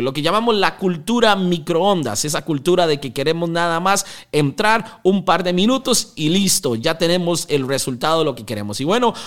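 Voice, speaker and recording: Upbeat Costa Rican man hosting a podcast. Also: fairly high pitch. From Costa Rica. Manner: energetic, restless, laughs at his own jokes. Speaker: podcast host. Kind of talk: casual podcast chat.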